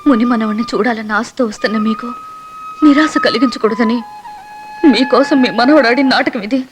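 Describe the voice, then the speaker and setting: A young actress playing a timid pregnant wife, pleading and tearful. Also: female voice, a little high, animated, moderate pace, over music, close to an everyday voice. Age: young adult. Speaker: granddaughter-in-law. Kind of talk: film drama acting.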